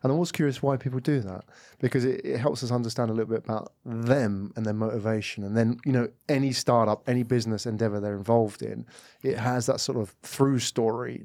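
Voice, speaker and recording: A man's voice: medium pitch, fairly even intonation, fairly quick, few pauses, darkish tone, dry recording. A man hosting a tech podcast interview in a studio, asking rambling conversational questions. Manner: conversational, leading questions with many fillers. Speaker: podcast host.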